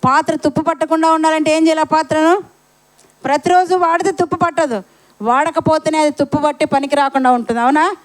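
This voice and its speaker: A woman's voice: sits high, steady tone, a little fast. A woman preaching a Sunday sermon at a church service, asking the congregation rhetorical questions and repeating key phrases for emphasis.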